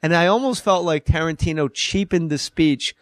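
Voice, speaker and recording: A man hosting a comedy podcast, teasing his guest in quick, profane banter. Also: a little high, no echo, clean studio sound. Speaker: podcast host. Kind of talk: casual comedy podcast chat.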